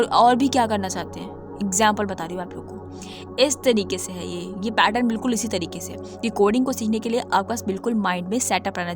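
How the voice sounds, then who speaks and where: Woman, slightly hoarse, emphatic tutor, casual lesson, faint music behind. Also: medium pitch. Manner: emphatic, repeats points, mixes English terms into speech. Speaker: coding tutor. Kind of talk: casual talk-to-camera lesson.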